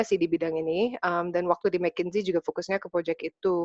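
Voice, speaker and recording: A woman's fairly low voice with fairly even intonation, in a dry, close sound with no echo. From Singapore. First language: English (speaking Indonesian). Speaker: chocolate company founder. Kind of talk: podcast interview. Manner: halting, many fillers.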